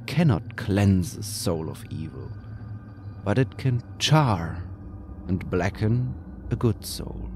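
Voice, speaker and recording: A man reads a horror story aloud in a slow, brooding manner, sometimes sinking into a whisper. His voice sits fairly low with a gravelly texture, and his pacing is very unhurried. Faint music plays beneath him. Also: slight background noise. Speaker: narrator. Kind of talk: dramatic scripted horror narration.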